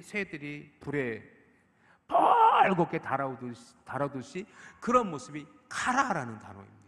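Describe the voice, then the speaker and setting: Animated Korean pastor preaching in a hall. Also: male voice, fairly high pitch. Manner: animated, rhetorical questions, acts out the speaker's anger. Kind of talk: sermon. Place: church sanctuary. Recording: echoey church hall.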